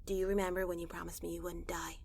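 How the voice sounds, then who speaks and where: A woman's voice: lowish voice, little pitch movement, fast, creaky, a little mellow, a little hiss or hum. A woman playing a hard-bitten, menacing spaceship crime boss in a science fiction audio drama, stern, curt and controlled. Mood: guarded, reproachful.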